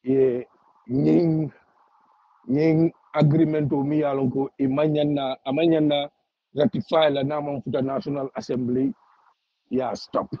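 A man's voice: a little high, steady tone, measured pace, vocal fry, slightly rough, no echo, highs cut off. A man giving impassioned political commentary, repeating phrases for emphasis.

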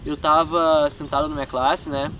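Out in a wooded park, a young gaming YouTuber from Rio Grande do Sul rambles through fan questions in gaúcho-accented Portuguese, chatty, heavy on filler tags and laughing at himself. His voice sits high for a man, pushed and bright, with a flat delivery at a moderate pace. A camera mic a few feet off catches him distantly along with clear wind and traffic noise.

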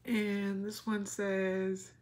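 A woman hosting a craft channel, gushing warmly over gifts as she unboxes them, emotional and sometimes dropping to a whisper. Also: mid-range voice, completely flat delivery, extremely slow, a little hiss or hum. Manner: gushing and tender, often drops to a whisper. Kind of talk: casual gift unboxing chat.

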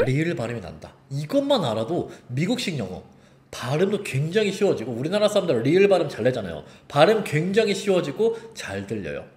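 Male online teacher, fairly high and very animated, pronunciation lesson, roomy echo. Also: a little fast. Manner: lively, explains and demonstrates sounds. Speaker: English teacher.

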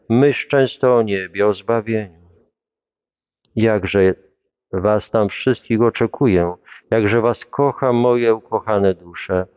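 Man reading devotional text, solemn and measured, kinda dull lo-fi sound. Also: lowish voice, clear, resonant tone, no echo.

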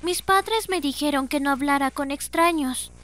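Woman voicing a high-voiced timid young boy. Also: normal speed, a bit bright. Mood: wary, sad. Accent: Latin American Spanish. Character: timid, hesitant young boy, sad and wary. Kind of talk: animated horror short dub.

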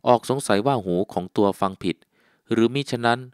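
A man narrating a literary novel as an audiobook, in a measured, even way. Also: medium pitch, smooth, dry recording, studio quality.

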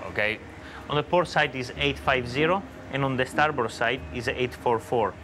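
A man working as a ship's bridge officer, calling out readings and orders in a brisk, procedural way. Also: mid-range voice, a bit bright, a little hiss or hum, rough recording. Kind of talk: radio commands on a ship's bridge.

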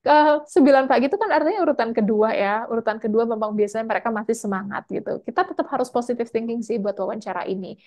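A woman's voice: a little high, quick pace, few pauses, a little mellow. A woman scholarship mentor giving casual, chatty feedback after a mock interview over a video call. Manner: casual, chatty, frequent tag words.

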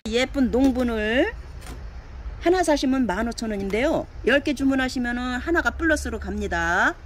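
A woman's voice: fairly high pitch, animated, normal speed, slight background noise. Chatty woman showing off plant pots. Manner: chatty, fills talk with pointing words, coaxing buyers. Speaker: online pot seller. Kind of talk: casual product showcase.

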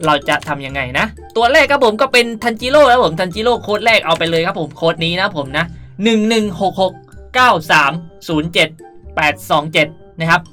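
A woman presents a game tutorial in a casual, chatty way. Her voice is bright and her pitch moves in lively swings. She comes across as playful and polite, with music playing behind her. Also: fairly quick. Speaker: gaming video host.

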